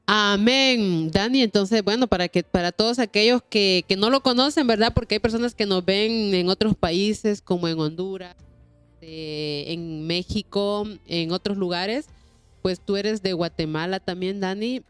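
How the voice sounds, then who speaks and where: A woman's voice: mid-range voice, unhurried, clear, resonant tone, no echo, faint music behind. A woman hosting a Christian programme, speaking in a courteous, devout, repetitive way. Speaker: host of a Christian testimony programme. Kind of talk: warm religious interview talk.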